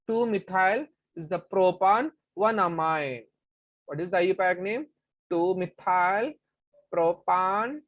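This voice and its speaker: A woman's voice: medium pitch, no room sound. South Asian-accented woman teaching, dull dry recording. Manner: repetitive, asks and answers own questions. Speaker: chemistry teacher. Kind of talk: classroom-style lesson, explaining step by step.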